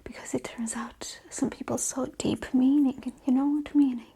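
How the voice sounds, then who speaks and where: A woman hosts an ASMR film chat in a soft, breathy voice that often drops into a whisper. Her tone is mellow and fairly high. She talks casually, with a sassy, exasperated edge. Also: steady tone, normal speed. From Russia. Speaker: host of an ASMR film review show. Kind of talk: softly spoken ASMR rant and chit-chat.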